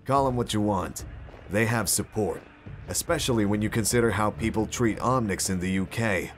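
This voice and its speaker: A man's voice: on the low side, normal speed, a little hiss or hum, natural voice. A man playing a cynical, guarded black-ops commander with a dry, dismissive manner. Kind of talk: dramatic comic dub acting.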